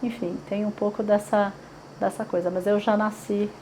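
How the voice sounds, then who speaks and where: Speaking at a moderate pace with a flat delivery, this medium-pitched, slightly mellow woman is in her forties and from São Paulo, Brazil. In an oral history interview she talks with a paulistano accent, peppering her speech with fillers and tag questions. The audio is poor, with slight background noise.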